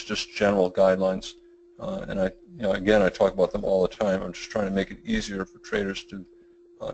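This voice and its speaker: A middle-aged man with a self-described boring, monotone voice presents a trading webinar, rambling through his points with many fillers and restarts. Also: low voice, creaky, a little hiss or hum, poor audio. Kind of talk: webinar lecture.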